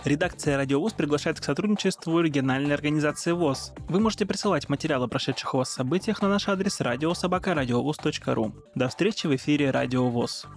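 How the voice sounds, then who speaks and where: Brisk male radio newsreader. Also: a little high. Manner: brisk, even newsreader delivery. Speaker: radio news presenter. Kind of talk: scripted news reading. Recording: news read over faint music.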